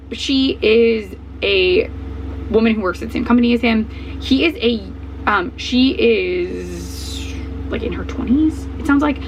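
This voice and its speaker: A slightly hoarse young woman rambles through a casual book vlog, her voice gravelly with fry and full of ums and restarts. Faint truck noise from the street outside sits under her voice. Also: on the high side, poor audio. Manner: rambling, filler-heavy, self-correcting. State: slightly hoarse, voice coming back. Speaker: book vlogger. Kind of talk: casual chat. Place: at home, traffic noise outside.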